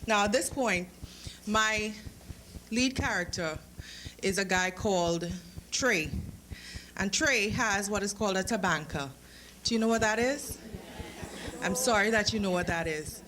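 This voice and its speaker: A woman with a Trinidadian accent speaks as an author at a live literary reading. Her phrasing is careful, with a playful, teasing touch, and her voice sits at a medium pitch. There is some noise behind her in the live recording. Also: unhurried, pauses often, fairly bright tone, rough recording. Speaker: author reading from own short story. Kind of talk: literary reading with informal introduction to a live audience. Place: live lecture event before an audience. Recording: live talk with clear background noise.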